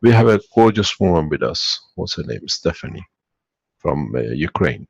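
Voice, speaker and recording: Man, low voice, gravelly, husky, rambling and insistent workshop host. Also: sing-song, moderate pace, dry recording, muffled recording. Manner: rambling, insistent, frequently interrupts the caller. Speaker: workshop speaker answering callers. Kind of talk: spiritual talk and Q&A.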